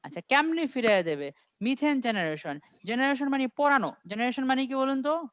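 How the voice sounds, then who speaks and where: A man tutoring an online IELTS class, reading English sentences slowly and quizzing his students step by step. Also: extremely high pitch, animated, fairly bright tone, dry recording. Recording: dry, dull lo-fi audio.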